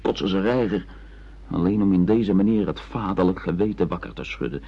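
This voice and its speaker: Radio drama: agitated, sarcastic drinker son, lowish husky voice, muffled recording. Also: male voice, brisk. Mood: bitter, agitated. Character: bitter hard-drinking son of an indifferent father. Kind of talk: radio play acting in Dutch.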